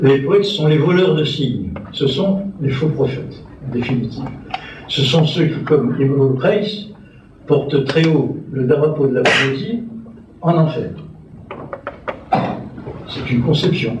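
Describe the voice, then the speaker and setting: A man's very slow speech with a fairly high pitch, long and frequent pauses, and noticeable background noise. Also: ordinary pitch variation. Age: 80s+. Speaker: scholar and translator. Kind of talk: lecture.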